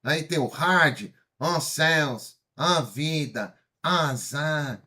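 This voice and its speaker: Paulistano guy in his 50s lecturing a crowd, kinda husky, high-ish voice, keeps asking "tá certo?". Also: very slow. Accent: Paulistano Brazilian Portuguese. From São Paulo, Brazil. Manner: energetic, asks the audience questions, frequent tag questions. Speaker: speaker. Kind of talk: motivational lecture to a live audience.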